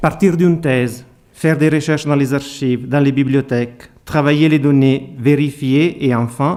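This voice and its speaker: A man with an Italian accent speaks at a fairly slow pace. His intonation stays fairly even. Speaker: archive curator. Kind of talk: formal introductory talk. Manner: formal.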